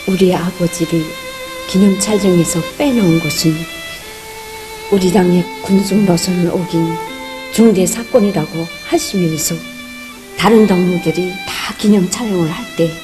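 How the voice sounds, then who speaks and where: A woman's voice: fairly low pitch, unhurried, music in the background. A woman with a North Korean accent recounting earnestly and reverently.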